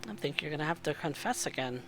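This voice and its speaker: A man's voice: a little high, expressive, quick pace, noisy background, close to an everyday voice. A man voicing a nosy, teasing feminine woman who questions people archly in a tabletop game. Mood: probing, polite.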